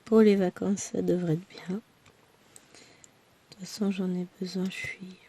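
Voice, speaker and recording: A woman vlogger with a hoarse voice from a throat infection, chatting to her viewers in a rambling, tired, self-deprecating way. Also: on the low side, flat delivery, unhurried, dark tone, slight background noise. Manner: speaks tired and worn out. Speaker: crafting vlogger. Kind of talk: chatty personal update to viewers.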